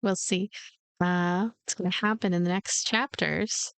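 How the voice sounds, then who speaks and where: A woman reading a visual novel aloud and adding her own gentle commentary. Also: on the low side, steady tone, measured pace, creaky, smooth, no room sound. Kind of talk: voiced game narration and commentary. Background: game music.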